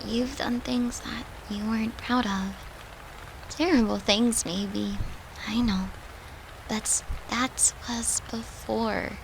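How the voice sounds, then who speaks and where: Woman acting a tender, slow-talking girlfriend. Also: on the high side, vocal fry, noisy background, full character voice. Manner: soft, soothing, affectionate, unhurried, at times whispering. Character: tender, devoted human girlfriend soothing her anxious demon lover. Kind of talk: intimate roleplay audio, comforting.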